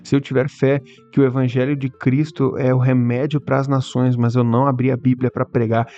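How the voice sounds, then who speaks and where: A man with a Brazilian Portuguese accent giving an earnest personal testimony, preaching with halting restarts. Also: medium pitch, little pitch movement, dark tone. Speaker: Christian content creator. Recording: dull lo-fi audio with faint music.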